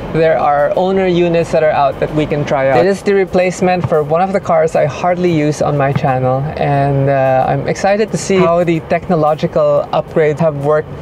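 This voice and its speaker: A woman chatting casually as a car vlogger, her voice slightly hoarse. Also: low-pitched, moderate pace, few pauses. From Philippines. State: slightly hoarse, jet lagged. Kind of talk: casual vlog chat. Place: outdoors and in cars, on the move. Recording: clear outdoor and traffic noise.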